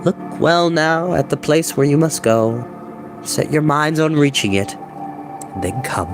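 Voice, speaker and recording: A man reading a fantasy storybook as a grave, sorrowful guide of an enchanted kingdom, solemn and measured, with music behind. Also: a little high, background noise. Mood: urgent, foreboding.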